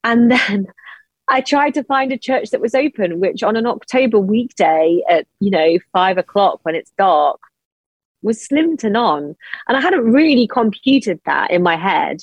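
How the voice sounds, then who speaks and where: A woman's voice: animated, no room sound, dull audio. English woman guest, 30s, raw personal storytelling, dry close sound. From England. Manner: emotional, quick bursts of speech rising high when angry.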